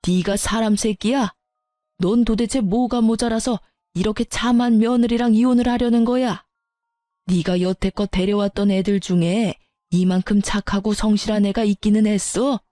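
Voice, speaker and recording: A woman's voice: medium pitch, mellow, no echo, clean studio sound, lightly acted. A woman voicing an older father-in-law who berates his son with insults, in a dramatized story reading.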